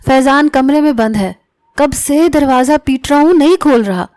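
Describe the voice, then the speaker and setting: A woman's voice: sits high, animated, a little mellow, no echo, studio quality, pitched above the performer's own voice. A woman reading the lines of a worried young man, a younger brother, in a storybook narration. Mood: anxious.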